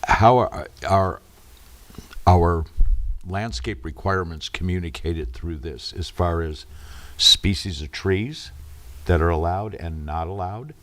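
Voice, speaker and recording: Slow, low-voiced man chairing. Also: a bit bright. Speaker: mayor chairing a council meeting. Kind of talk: formal meeting questions. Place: city council meeting room.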